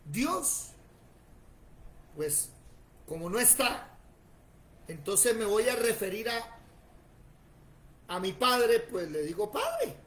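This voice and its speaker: A man teaching a Bible class, plain-spoken and animated, turning to his students with questions. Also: high-pitched, slow, pauses often, rough recording.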